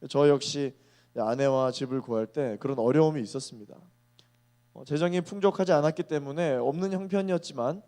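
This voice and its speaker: A man in his thirties preaching a sermon to young adults, earnest, slowing down to weigh key phrases. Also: fairly high pitch, warm tone.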